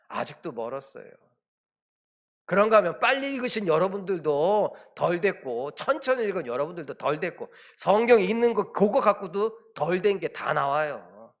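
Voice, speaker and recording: A male pastor giving a Friday prayer-meeting sermon, speaking frankly and conversationally and asking the congregation questions. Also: on the high side. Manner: candid, conversational preaching with rhetorical questions. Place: church sanctuary.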